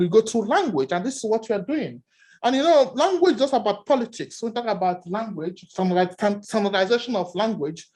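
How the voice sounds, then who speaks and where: Animated Nigerian-accented male academic. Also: high voice. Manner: animated, storytelling, many repeated words. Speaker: academic discussant. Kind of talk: seminar remarks.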